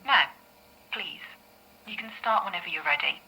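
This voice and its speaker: A gentle, coaxing therapist. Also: female voice, mid-range voice, lively intonation, moderate pace, vocal fry, husky, heavily acted, rough recording. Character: calm, patient female therapist. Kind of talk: audio drama acting.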